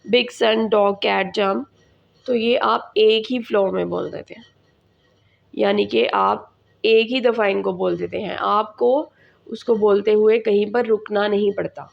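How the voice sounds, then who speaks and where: Slow, gravelly woman teacher. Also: medium pitch, highs cut off. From Pakistan. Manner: slow, deliberate, repeats words for students. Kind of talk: classroom lesson explaining English in Urdu.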